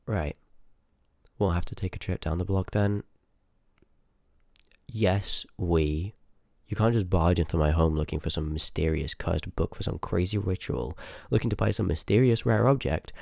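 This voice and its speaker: Man acting a deep, gravelly, sardonic sorcerer. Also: moderate pace, a little mellow, dry recording. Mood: suspicious, sardonic. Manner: sarcastic, dry banter with muttered asides. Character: rude, sardonic, curious male sorcerer in a fantasy world. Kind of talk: ASMR audio roleplay acting, addressed to the listener.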